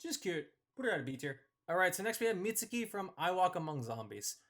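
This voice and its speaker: A man's voice: high voice, sing-song, fast talker, a bit bright. A man hosting a casual ranked-list review, giving opinionated commentary on characters.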